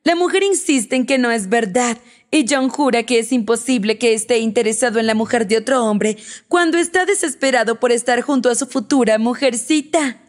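A drunk, spiteful woman taunts her rival in a mocking, gloating tone, as a woman narrator puts her on. The voice sits high and swings up further as she sneers. It is an audiobook reading. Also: moderate pace, natural voice. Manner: mocking, gloating, laughing scornfully.

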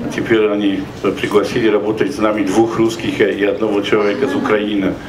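A man's voice: fairly low pitch, level tone, fairly quick, a loud crowd. A man in his sixties from Poland, speaking Russian as a foreign language with a Polish accent, talking to an audience at a book event into a handheld mic, hesitant and correcting himself often. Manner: hesitant non-native Russian with self-corrections. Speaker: author. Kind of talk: public talk at book event. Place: large bookstore event hall. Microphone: handheld microphone. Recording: echoey hall, recorded from far off.

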